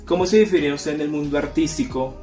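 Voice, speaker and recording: A man's voice: fairly high pitch, fast talker, darkish tone. Polite man interviewing in echoey room. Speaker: podcast interviewer. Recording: echoey room, faint music.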